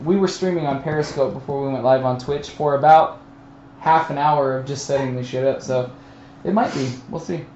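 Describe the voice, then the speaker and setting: A man's voice: medium pitch, normal speed, a little mellow. A man playing and co-hosting a tabletop game stream, with casual, wry and sometimes profane banter. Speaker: player and co-host on a game stream. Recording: roomy, dull audio with faint noise.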